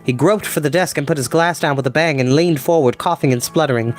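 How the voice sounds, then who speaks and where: A man's voice: a little high, fast talker. Male storybook narrator over music. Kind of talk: expressive audiobook narration.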